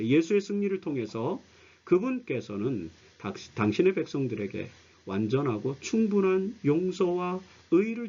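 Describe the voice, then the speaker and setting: A man's voice: a little high, breathy edge, highs cut off. A man presenting Bible study commentary as an explanatory lecture, with emphatic, didactic phrasing and sentence endings that trail off. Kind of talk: explanatory religious lecture with scripture readings.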